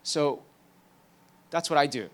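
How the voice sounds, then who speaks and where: A smooth, resonant-voiced man in his fifties from Hawaii addresses a lecture audience. He talks in a relaxed, easygoing way, with dry self-deprecating jokes and plenty of ums. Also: a little high, slow pace. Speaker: guest speaker, entrepreneur. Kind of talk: conference master class talk.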